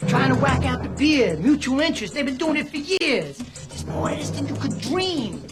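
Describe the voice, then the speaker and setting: An actor playing a paranoid, disgraced middle-aged former priest and spy, profane and rambling, in film audio with music. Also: male voice, very high-pitched, very animated, moderate pace. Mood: nervous. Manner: profane, rambling, panicky outbursts. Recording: film audio with loud score.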